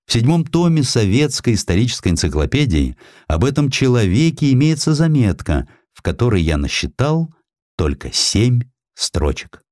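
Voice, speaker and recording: A man narrating a historical audiobook with theatrical, measured storytelling. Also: medium pitch, big pitch swings, a little mellow, dry recording, studio quality. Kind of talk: expressive scripted historical narration.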